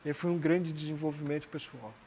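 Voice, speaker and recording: A man's voice: fairly high pitch, fairly quick, dark tone, slight background noise. A man in his forties with a southern Brazilian accent from Santa Catarina, telling his personal story conversationally as a guest in a TV interview. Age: 40s. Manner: conversational, frequent "né" and "cara" tags. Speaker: interview guest, motivational speaker. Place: TV studio, indoors. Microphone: lapel mic.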